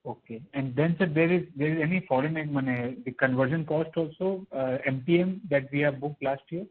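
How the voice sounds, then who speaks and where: Over a tinny, narrowband phone connection, a man with an Indian accent, likely an investor or analyst, puts deferential questions to an earnings call, frequently addressing people as "sir." He talks briskly in a slightly high, husky voice.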